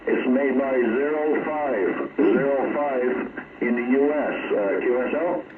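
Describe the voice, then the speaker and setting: A man's voice: medium pitch, slow, phone-quality sound. A man from Newfoundland working as a radio operator, giving clipped callouts over noisy, echoing CB reception. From Newfoundland, Canada. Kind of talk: radio contact exchange. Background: heavy radio static.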